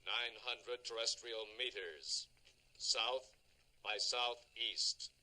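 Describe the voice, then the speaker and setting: An actor playing a formal, literal-minded robot, speaking in a stiff, measured robot voice on a TV series soundtrack. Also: male voice, mid-range voice, steady tone, sharp tone, heavily acted, rough recording. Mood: mechanical. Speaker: robot companion. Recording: TV soundtrack with music underneath. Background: music score.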